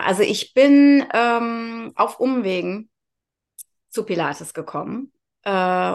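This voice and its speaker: Slow-speaking woman in her fifties. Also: on the high side. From Germany, near Cologne. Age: 50s. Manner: open, personal storytelling with frequent pauses. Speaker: podcast guest. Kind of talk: casual interview chat.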